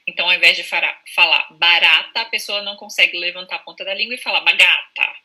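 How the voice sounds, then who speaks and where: A woman's voice: lowish voice, steady tone, fast talker, sharp tone, poor audio. A woman with a Brazilian Portuguese accent, a speech-language therapist patiently explaining speech over a video call and sounding out examples. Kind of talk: explanatory interview answers.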